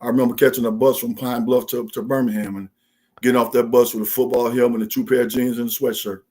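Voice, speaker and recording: He is a man with a mid-pitched, husky voice and a country Southern Black accent from Mississippi. He talks in a casual storytelling flow, folksy and emphatic, leaning on "man" to punctuate his thoughts. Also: level tone, fast talker, mellow. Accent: Southern Black American, country Mississippi drawl. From Mississippi, USA. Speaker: guest, former college football player.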